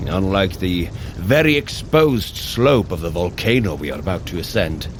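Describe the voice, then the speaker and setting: An actor playing a bold, earnest storm god in an audio adventure, speaking in a grand, formal, declamatory way. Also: male voice, sits low, animated, normal speed, slight background noise. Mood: instructive. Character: Thor, bold, earnest male storm god, big brother. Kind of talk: scripted audio adventure acting.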